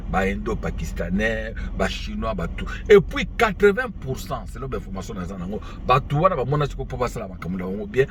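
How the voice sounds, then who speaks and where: A man's voice: lowish voice, a little hiss or hum. A man gives his opinion in a casual monologue, explaining his argument step by step. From Congo (DRC). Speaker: political commentator.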